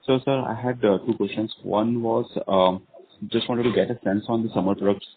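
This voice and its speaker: Through a thin telephone connection, a male analyst with an Indian accent puts questions in a fairly low voice. He is deferential and hesitant as he phrases them. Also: steady tone, moderate pace, slight background noise. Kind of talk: spontaneous questions on conference call. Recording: narrowband phone line.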